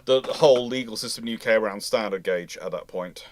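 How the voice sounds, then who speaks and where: A man hosting a casual panel discussion, explaining and speculating in a measured way. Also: lowish voice, noisy background. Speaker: panel host answering viewer questions.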